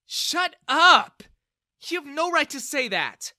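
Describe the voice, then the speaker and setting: A storyteller voicing a kind, outspoken young woman who speaks up for a friend, in a high put-on voice. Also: big pitch swings, measured pace, bright, forceful tone, no echo, studio quality. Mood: fierce. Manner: earnest, outspoken.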